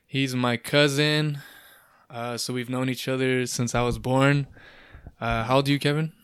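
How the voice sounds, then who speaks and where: A man's voice: medium pitch, steady tone, normal speed, a bit bright, smooth, no echo, clean studio sound. A man in his twenties hosting a casual podcast, chatty and rambling with an upbeat manner. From Southern California. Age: 20s. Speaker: podcast host.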